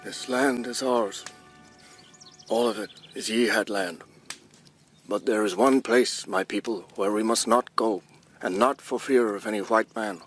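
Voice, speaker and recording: An actor playing a solemn tribal leader who addresses his people in a grave, measured storytelling manner in an audio drama. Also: lowish voice, expressive, a bit bright, soft background music. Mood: solemn, warning.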